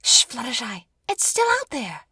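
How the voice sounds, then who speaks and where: Prim lady pony for cartoon story, acted by a woman: high, expressive, reproving, close dry sound. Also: normal speed, slightly rough, no echo, exaggerated voice.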